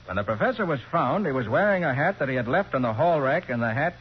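An actor playing a shrewd, confident private detective in a 1940s radio drama, with an American accent and a brisk, pressing way of talking. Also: male voice, mid-range voice, animated, natural voice. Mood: pressing, accusing. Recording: muffled, noisy 1940s radio recording.

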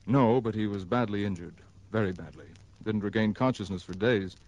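An actor playing a calm, patient insurance executive in a 1960s radio drama, speaking in a measured, grave way. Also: male voice, on the low side, natural voice, poor audio. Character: calm middle-aged male insurance executive. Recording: old radio broadcast.

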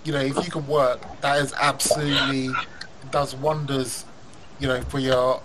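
Rambling host over loud noise. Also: male voice, mid-range voice, level tone, normal speed. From London. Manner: rambling, many restarts and "you know"s. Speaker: podcast host. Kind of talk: casual interview.

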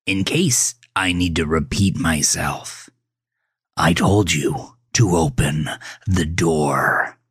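A man playing a menacing, controlling imaginary friend in a horror audio drama, contemptuous and falsely paternal in a deliberate way. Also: rumbling low, a bit bright, slightly rough, no echo, clean studio sound, exaggerated voice. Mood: cold, commanding.

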